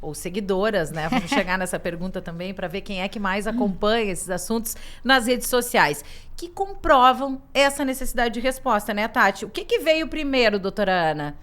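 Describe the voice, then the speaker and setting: A woman's voice: medium pitch, animated, normal speed, fairly bright tone. A woman from southern Brazil with a gaúcho accent, co-hosting a podcast in a chatty, playful way, often adding tag questions. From Rio Grande do Sul, southern Brazil. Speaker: podcast co-host. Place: glass-walled studio with a live audience.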